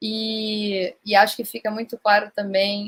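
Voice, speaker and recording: A woman speaks in a monotone, flat way. Her voice is somewhat breathy. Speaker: curator and photographer moderating panel. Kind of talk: panel discussion. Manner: halting with fillers.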